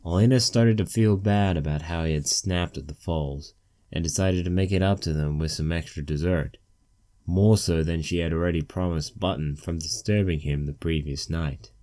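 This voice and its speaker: Deep, dark-voiced man narrating a story. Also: moderate pace. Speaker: narrator of a fan fiction reading.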